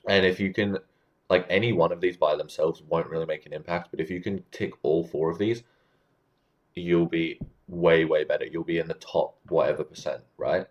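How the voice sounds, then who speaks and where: A man coaching viewers on how to speak, in a relaxed, explanatory way that keeps checking in with the listener. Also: deep voice, normal speed, dull audio. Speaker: communication coach. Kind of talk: casual advice talk to camera.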